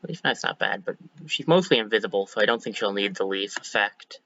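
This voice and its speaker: A slightly hoarse man streaming a game, chatting casually and thinking aloud as he corrects himself. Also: lowish voice, lively intonation, fairly quick, sharp tone, muffled recording, slight background noise. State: a bit hoarse. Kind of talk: casual let's-play commentary.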